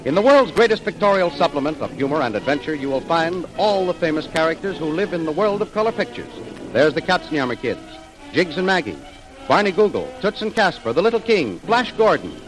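A man announcing in the smooth, promotional manner of 1930s radio, his voice pitched fairly high. Music plays clearly beneath him on the old recording. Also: very animated, brisk, low-quality recording. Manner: polished, promotional.

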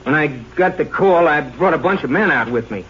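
An actor playing a touchy, defensive small-town Texas constable in a 1950s radio drama, blunt and edgy. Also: male voice, a little high, animated, moderate pace, fairly bright tone, highs cut off. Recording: noisy band-limited 1950s radio recording.

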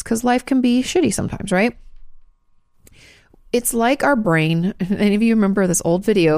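A woman's voice: mid-range voice, gravelly, darkish tone, no echo, clean studio sound. A congested woman hosting a podcast, frankly answering listener questions in casual advice talk, full of fillers and restarts. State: congested, clearing her throat.

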